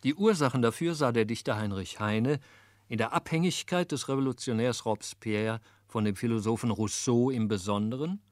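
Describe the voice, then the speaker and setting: A man narrating a scripted radio feature in a formal, measured way. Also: mid-range voice, no echo, studio quality.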